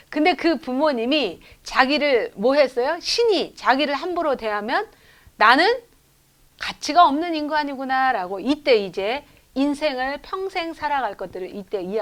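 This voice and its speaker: A middle-aged woman professor giving a church education lecture, telling lively stories and asking the audience rhetorical questions. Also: high-pitched. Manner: acts out children's lines in quotes. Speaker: professor lecturing at a lay school.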